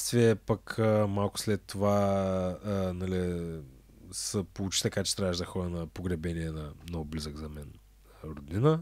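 A man speaks at a fairly slow pace with a very deep, low pitch and ordinary pitch variation. The sound is dry with no echo. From Bulgaria. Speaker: musician; podcast guest. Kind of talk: casual chat. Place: studio. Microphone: studio mic.

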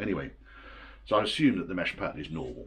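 A man's very deep, low pitch with vocal fry. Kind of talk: casual vlog chat. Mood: frustrated, wry. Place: workshop. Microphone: phone near.

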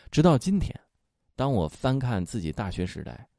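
Over a quiet background with a dry, close sound and no echo, a man speaks at a moderate pace, his pitch swinging very widely. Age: 40s. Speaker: audiobook narrator and literary commentator. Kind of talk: casual late-night commentary monologue. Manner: conversational, addresses listeners directly.

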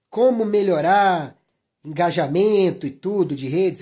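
A man's high-pitched voice with a dark, mellow tone and ordinary pitch variation, on a very clean recording with a silent background. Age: 40s. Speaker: physician answering health questions. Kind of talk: live Q&A stream.

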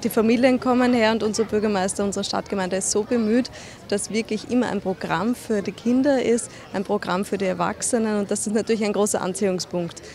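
A woman speaks at a fairly quick pace with fairly even intonation. The sound is dry with no echo, and light background noise is present. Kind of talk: interview answer. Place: market. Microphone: handheld.

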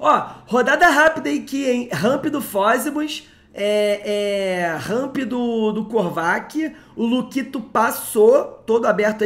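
This man has a high pitch. His pitch variation is ordinary. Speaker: gaming channel host. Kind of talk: casual livestream banter. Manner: animated, jokey.

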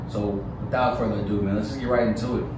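The speech comes at a fairly quick pace. Loud background noise and an audible room echo fill the recording. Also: man. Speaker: fitness trainer. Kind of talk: workout tutorial. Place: garage. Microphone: camera far.

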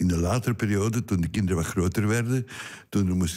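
A man's very deep, low voice with a dark, mellow tone, ordinary pitch variation and a fairly quick pace, over a quiet background. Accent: Flemish. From Mechelen, Flanders, Belgium. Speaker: former radio presenter. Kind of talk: casual interview. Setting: studio. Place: studio. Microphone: studio mic.

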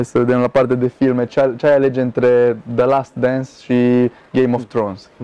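In a dry sound with no echo, a man talks at a moderate pace with very even loudness and flat, monotone intonation. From Romania. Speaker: interviewer, former tennis player; interviewer. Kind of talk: interview. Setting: sports club. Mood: relaxed friendly chat.

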